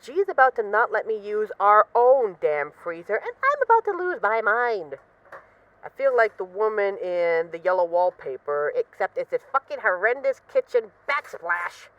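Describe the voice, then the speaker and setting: A woman's voice: mid-range voice, very animated, moderate pace, no room sound, muffled recording, natural voice. A woman acting as a bored, restless mafia boss who misses a partner, talking in a wry, dramatic, rambling way in an intimate voice-message roleplay. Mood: exasperated, wry.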